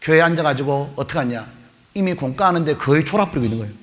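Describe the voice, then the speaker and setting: A man preaching to a youth retreat, telling a story with animated voices for the mother and the kids. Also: a little high, fast talker. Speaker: pastor. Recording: long hall reverb.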